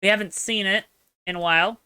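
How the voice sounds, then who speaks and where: Bright, crisp-voiced young woman chatting. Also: medium pitch, fairly even intonation, fairly quick, dry recording. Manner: chatty, self-deprecating, joking. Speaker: podcast co-host. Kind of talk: casual chat.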